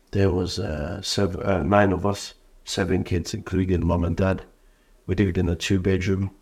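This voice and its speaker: A man in his thirties, from Iraq, speaks with a low, gravelly, husky voice. He tells his life story with earnest emphasis. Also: a little mellow. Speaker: guest. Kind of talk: personal life story in an interview.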